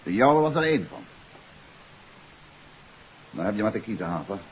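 Commanding male detective, lively intonation. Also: fairly low pitch. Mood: stern, pressing. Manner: commanding, probing, deliberate. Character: shrewd, authoritative male amateur detective confronting a suspect. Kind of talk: 1950s Dutch radio drama acting. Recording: muffled 1950s radio recording with hiss.

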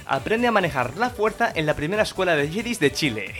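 A man from who co-hosts a radio comedy show, reading jokes and odd news in a playful way that moves quickly. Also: on the high side, very animated, loud music behind the voice. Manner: playful, reads quickly and laughs along. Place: radio studio.

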